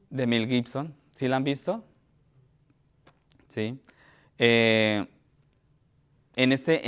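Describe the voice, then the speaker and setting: Scripture comes first, read evenly and with measure by a pastor whose voice is smooth, resonant and mid-pitched. Then, still preaching in the church, he turns to the congregation, pausing and restarting as he talks.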